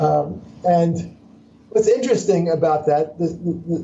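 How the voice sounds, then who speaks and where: With an American accent, a man speaks in a high voice. His pitch varies in an ordinary way. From Philadelphia area, US. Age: 70s. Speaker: author and entrepreneur. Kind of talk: casual interview chat. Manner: animated, rambling, repeats words.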